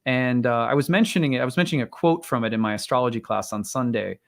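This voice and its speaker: A man in his thirties or forties hosts a livestream and reads an astrology chart in a loose, rambling way, with plenty of fillers and restarts. His voice is strained and wearing out, and he clears his throat now and then. His pitch sits in the middle range for a man. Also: fast talker. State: voice strained and tiring. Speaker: astrologer, live stream host. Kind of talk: casual livestream talk and chart reading.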